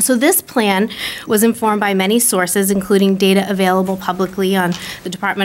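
At a moderate pace, a woman talks in a normal speaking voice. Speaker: elementary school principal. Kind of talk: public meeting presentation. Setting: school committee meeting room. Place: hall.

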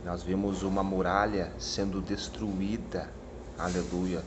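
Through noticeable background noise, a man with a Brazilian accent speaks in a very deep, low voice with vocal fry. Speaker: evangelical preacher. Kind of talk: prophetic sermon. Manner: fervent, emphatic. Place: home room. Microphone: phone near.

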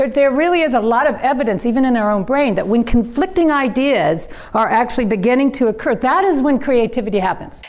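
The speech races at a very fast pace with hardly any pauses. The intonation is lively. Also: woman, high pitch for a woman. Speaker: keynote speaker and conflict coach. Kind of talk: conference keynote talk. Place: meeting room. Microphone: lapel.

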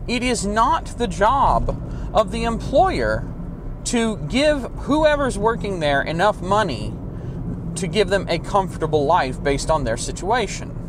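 Over noticeable background noise, a man speaks with lively intonation in a dry sound with no echo. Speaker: political commentator. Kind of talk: commentary rant while driving. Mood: dismissive, argumentative. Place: car. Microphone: lapel.

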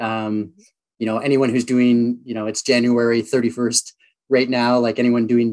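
Speaking at a moderate pace in a Canadian accent, a man has an unremarkable speaking voice of medium pitch, heard over a quiet background. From Northern Ontario, Canada; Ontario, Canada. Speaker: brewing company founder; podcast guest. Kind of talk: interview conversation. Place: home room. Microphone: video call.

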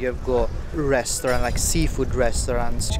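At a moderate pace, a man speaks in a dry sound with no echo, with noticeable background noise. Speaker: travel food vlogger. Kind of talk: casual vlog chat. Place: waterside. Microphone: phone near.

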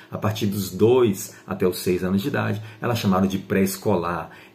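Somewhat breathy and dark, mellow in tone, a man speaks at a fairly low pitch with ordinary pitch variation. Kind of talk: educational vlog talk with personal stories. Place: office. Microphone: phone near.

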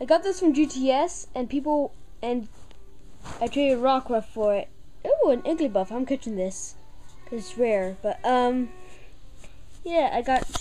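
Faint music plays in the background as a woman with a high pitch speaks at a fairly slow pace, leaving long, frequent pauses. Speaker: gamer showing a trade. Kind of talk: casual gameplay commentary. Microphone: phone near.

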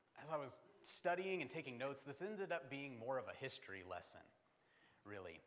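Speaking at a moderate pace, a man swings very widely in pitch. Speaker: Sunday school teacher. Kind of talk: sermon. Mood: friendly, lightly joking. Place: church. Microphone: lapel.

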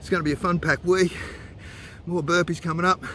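A man with an Australian accent and a high pitch, at a fairly quick pace, over light background noise. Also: dry sound with no echo. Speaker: fitness vlogger. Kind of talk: tutorial. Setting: outdoors. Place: beach.

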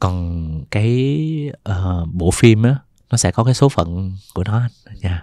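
A man talks at a very slow pace with long, frequent pauses, his very deep, low pitch showing ordinary variation and a dark, mellow tone. The sound is dry with no echo, and the background is quiet. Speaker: author and translator; podcast guest. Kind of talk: casual interview conversation. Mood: relaxed, smiling. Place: studio. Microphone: studio mic.

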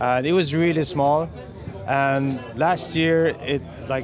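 Over music in the background, a man speaks at a very slow pace with ordinary pitch variation. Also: dry sound with no echo. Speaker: interviewee. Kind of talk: interview answer. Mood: relaxed, enthusiastic. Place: tent. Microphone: handheld.

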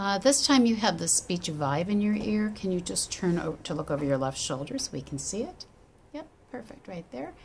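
A woman with a plain, everyday voice, fairly low pitch, lively intonation, a moderate pace, and light background noise. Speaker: speech therapist. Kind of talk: clinical instructions to patient. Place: office.

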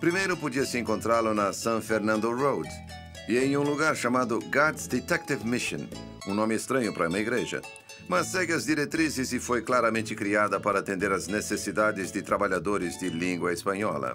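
With music in the background, a man speaks at a fairly low pitch with lively intonation. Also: moderate pace. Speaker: dubbing voice actor. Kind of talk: documentary interview answer, dubbed.

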